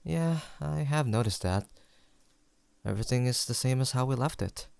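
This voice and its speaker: A young man playing a sentimental, teasing longtime best friend in an intimate audio roleplay, pausing for an unheard listener. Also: medium pitch, animated, creaky, clean tone, no room sound. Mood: nostalgic, fond. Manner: soft-hearted, playful banter with pauses for an unheard listener.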